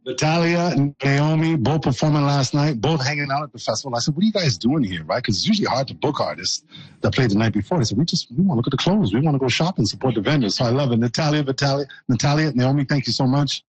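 A man's voice: mid-range voice, lively intonation, fast talker, husky, poor audio. A man working as a music columnist, reporting live and chatting upbeat with guests from a small shelter at an outdoor festival. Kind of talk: live radio field interview. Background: live music from a nearby stage.

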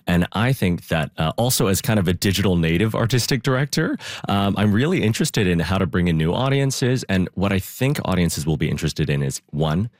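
A man speaking as a guest in a radio interview, earnest and energetic, often laughing as he talks about his plans as a theatre's artistic director. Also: deep voice, fairly quick, hardly any pauses, no echo, studio quality.

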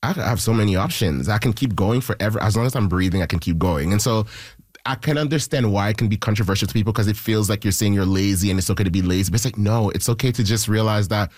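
A man from Haiti, a musician guest, telling stories in an excitable, animated way and jumping into high quoted voices. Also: fast talker, dry recording. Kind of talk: casual interview storytelling.

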